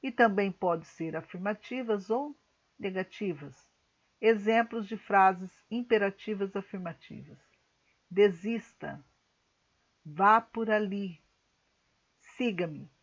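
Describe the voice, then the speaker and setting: A woman teacher with a Brazilian Portuguese accent, reading a grammar lesson slowly and carefully to her class. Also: mid-range voice, muffled recording. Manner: slow, careful explanatory reading. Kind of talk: recorded online grammar lesson.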